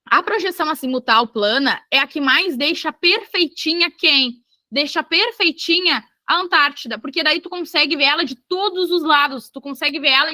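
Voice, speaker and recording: A woman from Brazil teaches an online exam-prep geography lesson with a high, bright, forceful voice. She is lively and keeps turning to her students to check they follow. The sound is dry and close to the mic. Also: no echo.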